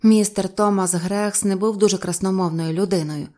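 A woman reading a novel aloud as an audiobook narrator, in an even storytelling manner. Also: medium pitch, normal speed. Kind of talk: scripted narration.

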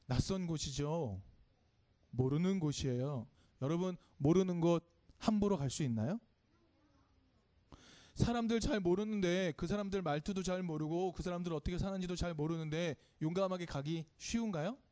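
A man's voice: high voice, normal speed, mellow. A man giving a children's sermon in church, telling the story simply and asking the congregation questions as he goes. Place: church service.

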